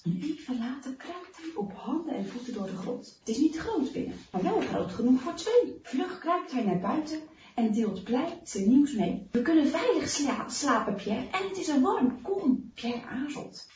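Animated woman reading a story aloud. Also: a little high. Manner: animated, drops to a whisper in tense passages. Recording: distant, roomy, dull recording with faint hiss.

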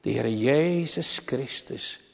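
A man delivers a sermon at an unhurried, solemn pace, pausing between phrases. His voice sits a little high and rings out with a long church reverb. The recording is dull and lo-fi. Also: gravelly. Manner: slow, solemn, deliberate delivery with long pauses. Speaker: preacher.

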